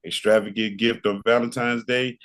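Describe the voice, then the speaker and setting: A man's voice: medium pitch, level tone, moderate pace, a bit bright. A man co-hosting a podcast, trading playful trash talk in casual banter. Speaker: podcast co-host.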